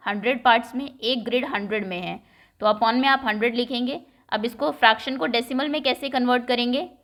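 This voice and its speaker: A woman's voice: a little high, brisk, a bit bright. Patient woman teaching maths step by step. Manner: patient, step-by-step, checks in with "okay?". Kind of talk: classroom lesson explanation.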